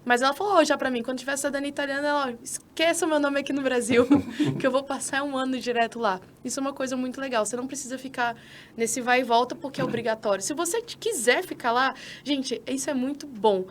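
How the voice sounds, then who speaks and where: A woman's voice: high-pitched, fast, slight background noise. A Brazilian woman with a Brazilian Portuguese accent, speaking as a podcast co-host and citizenship consultant in casual, persuasive talk that addresses listeners directly.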